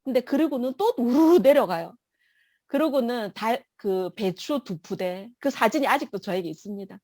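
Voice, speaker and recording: A woman's voice: fairly high pitch, lively intonation, normal speed, darkish tone, no echo. A woman giving an emotional personal testimony in church, telling her story vividly.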